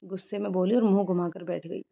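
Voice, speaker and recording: A woman narrating an animated moral story in a plain, steady storytelling voice. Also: mid-range voice, fast talker, gravelly. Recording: dull lo-fi recording.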